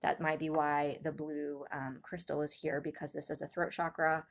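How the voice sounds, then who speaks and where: A woman with a low voice reads tarot cards for her viewers in a soft, hesitant way. She pauses often and restarts her sentences. Her throat sounds slightly raspy. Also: flat delivery. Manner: soft-spoken, hesitant, many ums and restarts, gasps in awe. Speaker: tarot reader. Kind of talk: casual spiritual tarot reading to viewers.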